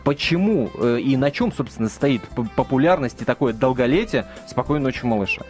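A man's voice: medium pitch, expressive, a little fast, darkish tone, soft background music. A man hosting a live radio talk show in a studio, chatty and joking, with many fillers and restarts. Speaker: radio host.

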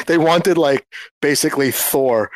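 A man from New York, a guest in a casual group chat, talking in a halting way as he searches for words and restarts often. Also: fairly high pitch, no echo. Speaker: guest, former English teacher.

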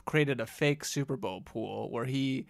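A man co-hosts a talk show in a relaxed, loose style, filling his sentences with "like". His voice has a gravelly creak to it. The recording is dry and close. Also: mid-range voice, measured pace, no echo. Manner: casual, heavy use of "like" fillers. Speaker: podcast co-host. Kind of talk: casual legal news discussion.

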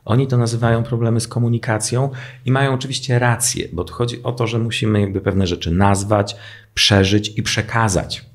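A man's voice: lowish voice, fairly quick. A middle-aged man, a relationship therapist, chatting casually and acting out his clients' lines as he tells stories. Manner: animated storyteller, acts out clients' lines. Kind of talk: casual podcast conversation.

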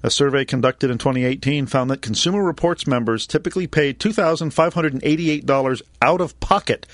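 A man co-hosting a tech radio talk show, reading news items in a steady, even way. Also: medium pitch, brisk, dry recording. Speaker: co-host.

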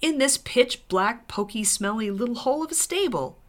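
A woman's voice: on the high side, expressive, moderate pace, voice pushed up, close to an everyday voice. A woman voicing a surly, stubborn male dwarf in a storybook reading, scornful and scolding in manner. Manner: scolding, blustering, colloquial. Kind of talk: dramatic novel reading.

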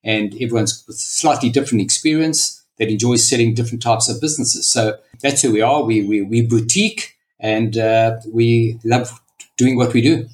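A man's voice: mid-range voice, normal speed, a little mellow, poor audio. A man in his sixties with a South African accent, a guest business broker who explains steadily and often restarts his sentences. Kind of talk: interview conversation.

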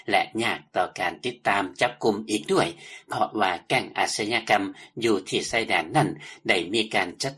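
A man's voice: on the low side, a bit bright, slightly rough. A man reading a scripted report as a news correspondent.

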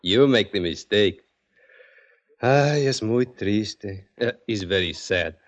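Deep-voiced Mexican knife killer, matter-of-fact and menacing, lo-fi radio sound. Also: male voice, lively intonation, slow pace. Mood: calm menace. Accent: Mexican Spanish. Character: grinning Mexican hired knife killer, calm. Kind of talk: 1940s radio drama acting. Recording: dull lo-fi old radio recording.

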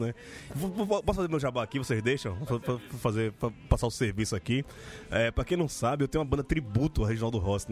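A man with a Northeastern Brazilian accent hosting a podcast with playful, teasing, sweary banter. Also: mid-range voice. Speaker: sports podcast host.

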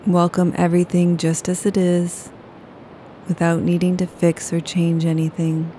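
Female meditation guide, low flat calm delivery, warm dark tone. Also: slight background noise, poor audio. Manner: slow, soothing, unhurried. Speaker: yoga nidra guide.

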